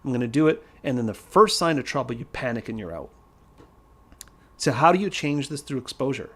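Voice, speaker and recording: A man's voice: mid-range voice, animated, a little fast, a bit bright, breathy edge. A man teaching trading on a casual livestream, blunt and emphatic, hammering his main points home by repeating them. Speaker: trading educator.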